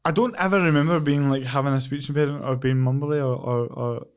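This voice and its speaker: A man's voice: mid-range voice, steady tone, fast. A Scottish man hosting a casual podcast interview, bantering in a self-deprecating way. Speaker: podcast host.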